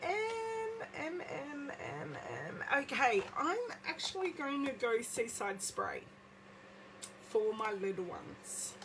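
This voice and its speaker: An Australian woman with a slight croak in her voice, chatting casually with viewers during a live craft demonstration at home. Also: high-pitched, sing-song, takes it slowly, noisy background. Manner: chatty, greets viewers by name. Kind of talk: casual live-stream craft demo chat. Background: movie playing in background.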